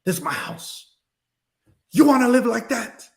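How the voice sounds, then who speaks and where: A man's voice: extremely high pitch, big pitch swings, a little slow, vocal fry, darkish tone, pitched above the performer's own voice, exaggerated voice. A man voicing a brash, successful male mortgage boss in a mock Chinese accent, boastful and clipped.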